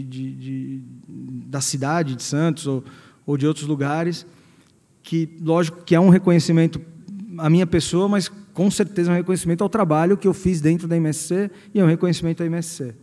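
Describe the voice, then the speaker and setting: Mellow Brazilian man speaking in an echoey hall. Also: a little high. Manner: hesitant, repeating words as he searches. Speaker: company president giving a guest lecture. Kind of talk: personal career talk to an audience. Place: large hall at a university event. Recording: echoey hall with long reverb.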